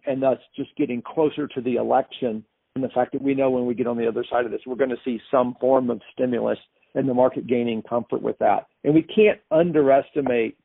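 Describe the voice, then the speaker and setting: Male market commentator, husky with heavy fry, opinionated, on a dry, thin phone-like line. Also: medium pitch, dry recording. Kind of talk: unscripted financial commentary.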